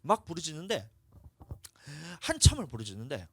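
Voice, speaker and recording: Korean pastor with a Gyeongsang accent, wildly dynamic. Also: male voice, on the high side, wildly swooping pitch, moderate pace, slightly rough, no echo. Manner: dramatic, swings between hushed talk and loud shouting. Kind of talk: emotional sermon with testimony. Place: church sanctuary.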